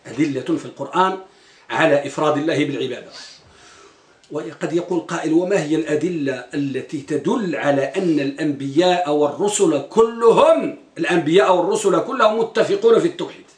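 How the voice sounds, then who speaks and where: A man's voice: fairly high pitch, fast talker, reverberant. A man teaching an Islamic lesson, reciting Quran verses and quizzing his listeners with questions. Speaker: religious teacher.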